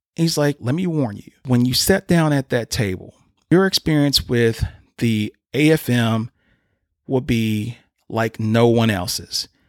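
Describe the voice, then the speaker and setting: A man with a plain, everyday voice speaks at medium pitch and a fairly slow pace with lively intonation, recorded dry and close with no echo in a very clean recording with a silent background. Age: 40s. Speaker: podcast host and filmmaker. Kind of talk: storytelling monologue. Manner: casual, conversational.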